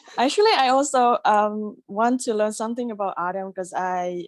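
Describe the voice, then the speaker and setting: A woman speaks with a Vietnamese accent at a moderate pace and medium pitch. Her pitch varies in an ordinary way against a quiet background. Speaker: open mic speaker. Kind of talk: casual panel discussion. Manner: halting.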